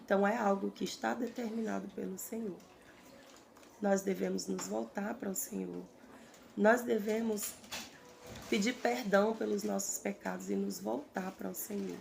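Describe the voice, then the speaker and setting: A woman, earnestly recounting a prophetic vision in halting, repeated phrases. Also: medium pitch, steady tone, creaky, darkish tone, a little hiss or hum. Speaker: prophetic preacher.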